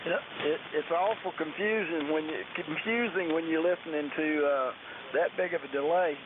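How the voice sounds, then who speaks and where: A man's voice: fairly high pitch, normal speed. A man chatting casually as an amateur operator over a ham radio transmission. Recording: narrow, hissy, noisy radio link.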